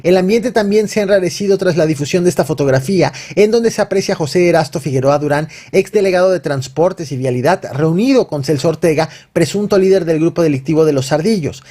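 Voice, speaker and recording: Fast-talking male news narrator. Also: high voice, mellow.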